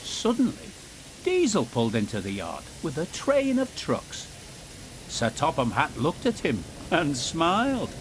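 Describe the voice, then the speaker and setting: A man's voice: on the high side, wildly swooping pitch, unhurried, background noise. A man narrating a scripted children's story as a storyteller.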